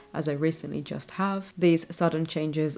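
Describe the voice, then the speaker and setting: A British accent at a moderate pace, fairly even intonation, and music in the background. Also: woman. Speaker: junior doctor. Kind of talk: casual talk to camera.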